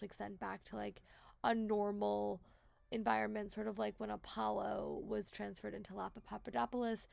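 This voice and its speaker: Stuffy, gravelly-voiced woman vlogger. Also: fairly high pitch. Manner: chatty, repeats words, many fillers. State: stuffy with a small cold. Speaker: book vlogger. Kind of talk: casual chat to camera.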